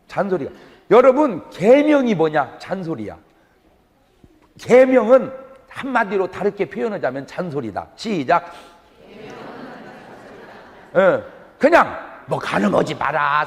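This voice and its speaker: Older man preaching in a big echoey church, folksy jokes, keeps asking the crowd questions. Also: a little high. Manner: lively preaching, call-and-response questions, bursts of loud exclamation; folksy humorous storytelling. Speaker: pastor. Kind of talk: sermon. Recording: long reverb of a large hall.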